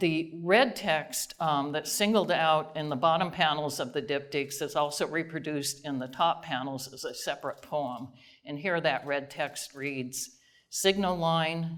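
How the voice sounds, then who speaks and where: A woman with a very deep, low pitch keeps her intonation fairly even on a very clean recording with a silent background. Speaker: visual artist. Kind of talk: artist talk presentation.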